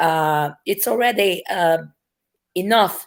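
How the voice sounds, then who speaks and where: This woman speaks in a non-native accent at a fairly low pitch. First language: not English. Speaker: guest on discussion show. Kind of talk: casual debate.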